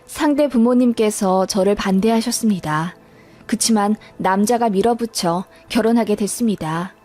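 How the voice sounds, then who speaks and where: A woman's voice: medium pitch, normal speed, a little mellow, soft background music. A woman narrator reading a scripted first-person life story. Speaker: narrator of listener life stories.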